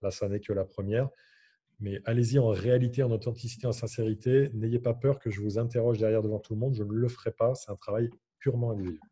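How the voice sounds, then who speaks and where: A man's voice: fairly low pitch, steady tone, quick pace, dark tone, slightly rough. A man leading an online coaching workshop over a video call, in an encouraging, instructive way.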